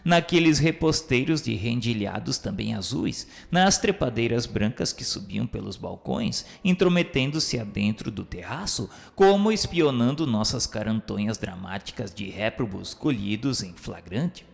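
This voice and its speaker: Man as dramatic, gravelly, brooding memoir narrator. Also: medium pitch, animated, unhurried, hardly any pauses. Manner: theatrical, ornate formal diction. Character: male suicide spirit recounting his memoirs, brooding, literary. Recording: long hall reverb.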